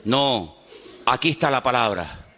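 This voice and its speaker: Bright, animated male preacher. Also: medium pitch, measured pace. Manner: animated preaching, acts out quoted dialogue with humor. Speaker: pastor. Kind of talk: sermon.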